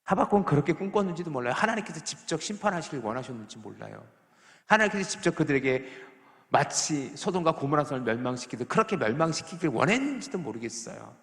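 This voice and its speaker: A male pastor delivers a Sunday sermon with a gravelly edge to his voice. He presses the congregation with rhetorical questions, dropping to a hush and then rising loud and emphatic. The sound rings around a church hall with a long reverb tail. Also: fairly high pitch, sing-song, fast. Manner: swings from hushed to loud and emphatic. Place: church sanctuary.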